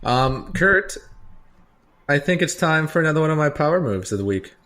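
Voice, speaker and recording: A man's voice: fairly high pitch, sing-song, moderate pace, a bit bright. A man co-hosting a podcast, telling anecdotes in an informal, slangy way. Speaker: podcast co-host. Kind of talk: casual banter and anecdotes.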